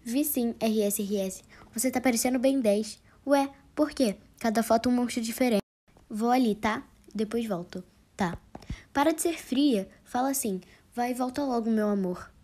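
Woman reading chat comebacks deadpan, voices both sides, kinda high but soft and mellow. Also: normal speed. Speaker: narrator reading chat jokes.

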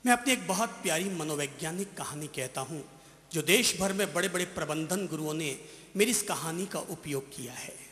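A man's voice: a little high, animated, moderate pace, fairly bright tone. A man preaching to a live audience as a spiritual teacher. He tells stories dramatically and asks the crowd questions. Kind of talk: live sermon with storytelling. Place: large hall with a live audience. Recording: echoey hall.

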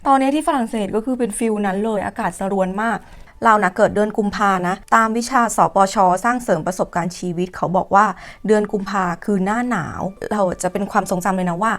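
A woman's voice: mid-range voice, fast, a bit bright. A young woman from Thailand chatting casually in a vlog, playful and joking, with cheeky slang. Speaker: vlogger.

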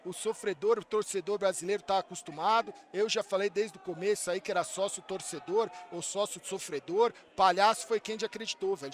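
A man with a Brazilian Portuguese accent streaming a live football watch-along, excitable, shouting at the players and swearing, then talking to his chat in between. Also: high voice. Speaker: streamer reacting to a football match.

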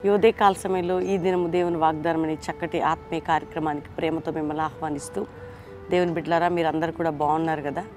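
A woman's voice: low-pitched, steady tone, fast, darkish tone, faint music behind. A woman leading a morning devotional, preaching and praying in an earnest, pleading way with repeated phrases. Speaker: devotion leader. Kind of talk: morning devotional sermon and prayer.

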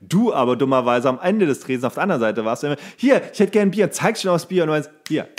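A man's voice: fairly high pitch, animated, fast. A man co-hosting a podcast, chatting casually in colloquial slang and acting out quotes as he tells stories. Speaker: podcast co-host, former bartender. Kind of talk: casual anecdote chat between friends.

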